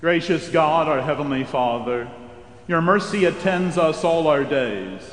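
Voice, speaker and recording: A man leading formal liturgical prayer in a chapel, solemn and measured, with the voice ringing in a cathedral-like echo. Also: on the high side, expressive. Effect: cathedral-like echo of a large chapel. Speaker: officiant leading chapel worship. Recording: roomy chapel with long reverb.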